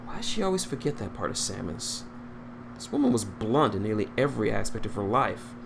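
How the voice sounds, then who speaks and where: A man with a low voice narrates a story in an amateur read-aloud style. He occasionally stumbles and repeats a phrase, and there is clear noise in the recording. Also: big pitch swings, a little fast. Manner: stumbles over words and rereads phrases. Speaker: fan fiction reader.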